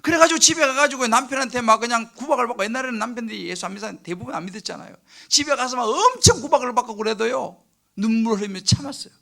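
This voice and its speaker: Middle-aged male pastor, bright gravelly high voice, animated sermon delivery. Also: racing. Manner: animated storytelling, acts out quoted prayers and crying; swings from loud bursts to hushed near-whispers. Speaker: senior pastor. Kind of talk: sermon at a midweek service. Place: church sanctuary.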